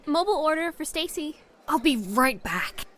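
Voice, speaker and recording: Actress as a breezy, higher-voiced female friend. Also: big pitch swings, normal speed, a bit bright. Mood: breezy, flustered. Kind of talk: naturalistic audio drama acting.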